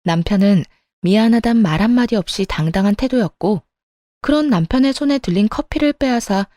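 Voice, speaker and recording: A woman's voice: medium pitch, brisk, dark tone, no room sound, clean studio sound. A woman narrating a first-person story in a confiding, conversational tone.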